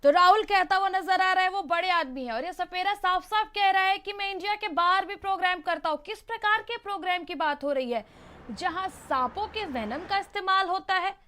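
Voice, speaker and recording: A woman presents the news in a very high-pitched voice. She speaks as a studio anchor, setting out the story and questioning a reporter. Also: a little fast, pushed and bright.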